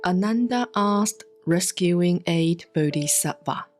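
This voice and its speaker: A woman giving a solemn, scripted reading of scripture in measured, deliberate phrases with frequent pauses. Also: fairly low pitch, animated, darkish tone, faint music behind. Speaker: sutra reader, Buddhist nun.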